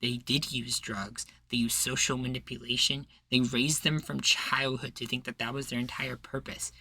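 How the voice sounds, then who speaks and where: Man acting a bright, forceful rebel leader. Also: medium pitch, little pitch movement, normal speed, dry recording. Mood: earnest, persuasive. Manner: persuasive, speech-making, folksy "y'all". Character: charismatic male rebel leader, earnest, defiant, persuasive. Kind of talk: roleplay ASMR acting.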